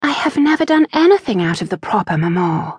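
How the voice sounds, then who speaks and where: A woman's voice: medium pitch, big pitch swings, fairly quick, breathy edge, no echo, studio quality, pitched above the performer's own voice. A woman voicing a spirited young noblewoman who protests indignantly against her mother.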